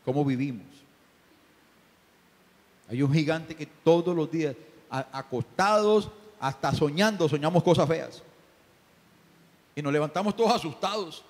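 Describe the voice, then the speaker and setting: A man preaches a sermon from a church sanctuary, and his voice trails off into a long, reverberant echo. He sits slightly high in pitch and keeps firing rhetorical questions at his listeners. Quiet, hushed stretches give way to sudden loud, shouting peaks. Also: expressive, a little slow, long pauses. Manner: addresses congregation directly with rhetorical questions. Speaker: pastor.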